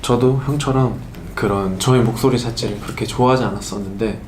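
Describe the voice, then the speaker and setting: A young man speaks very quickly in an earnest, reflective way. His voice rings in an echoey room, with noise clearly heard behind him. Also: on the low side. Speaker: K-pop idol. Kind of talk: casual chat.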